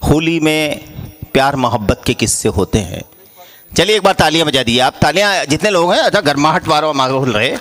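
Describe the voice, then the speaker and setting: Male stage host, bright and a little high, teasing, recites couplets at a live outdoor show. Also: expressive, a little fast. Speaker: stage host of a poetry gathering. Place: outdoor stage before a crowd. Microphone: stage microphone.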